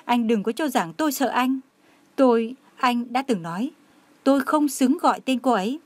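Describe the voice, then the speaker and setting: Defiant tearful young heroine, woman reader, bright-pitched, dry read. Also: normal speed, no echo, natural voice. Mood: defiant anger. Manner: indignant, pleading.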